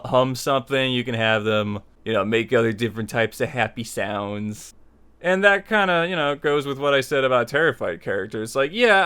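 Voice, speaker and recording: A man's voice: mid-range voice, fairly bright tone, clean tone. Male tutorial host, mid-range voice, conversational and opinionated, loosely structured delivery with repeated phrases for emphasis. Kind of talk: informal spoken lesson, opinionated explanation.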